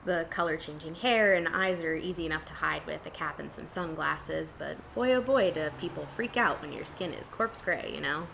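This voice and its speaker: A woman's voice: low-pitched, normal speed, creaky, hardly any pauses, a bit bright, a little hiss or hum, low-quality recording. A woman playing a wry, frank cryptid empath in an audio drama, with a dry, teasing, casual delivery.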